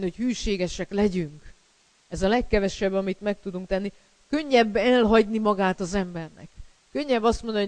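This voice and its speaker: High-voiced, smooth male preacher. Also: a little mellow, dry recording, low-quality recording. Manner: emphatic, repeats key words, fillers. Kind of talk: sermon.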